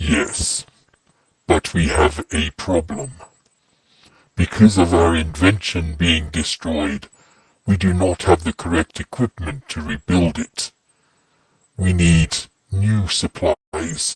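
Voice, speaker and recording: A man's put-on character voice, very deep and low in pitch, at a fairly slow pace. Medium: audio drama. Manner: flat, mechanical, formal.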